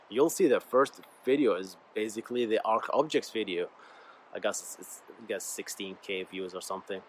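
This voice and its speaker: Man, native Arabic speaker, mid-pitched voice, loose motivational vlog talk, rambles and keeps calling out to "guys". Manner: rambling, earnest, often addresses listeners as "guys". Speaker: YouTuber and podcast host. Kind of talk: casual motivational monologue.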